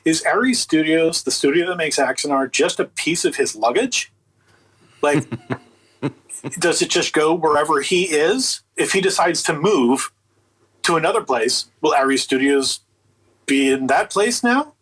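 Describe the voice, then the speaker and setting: Heard on a rough recording, a husky man with a voice on the high side talks a little slowly. He's an audiobook producer guesting on an interview, casually recounting a story and acting out quoted dialogue with sardonic disbelief.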